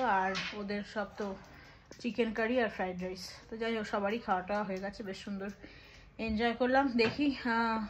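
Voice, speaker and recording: A woman's voice: a little high, poor audio. A young woman with an Indian Bengali accent chatting casually as a family vlogger, dropping in English words. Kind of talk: casual vlog chat. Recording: clear background vehicle and ambient noise.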